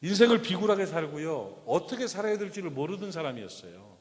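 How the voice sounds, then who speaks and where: A man's voice: on the high side, sing-song, quick pace. A man preaching a Sunday sermon, telling a story and asking his congregation direct questions. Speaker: pastor. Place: church sanctuary. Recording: reverberant church hall.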